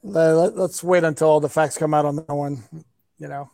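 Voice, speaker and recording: A man talking sports casually as a reporter guest, explaining things in a hesitant, measured way. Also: on the high side, fairly even intonation, creaky, dark tone, no echo, clean studio sound.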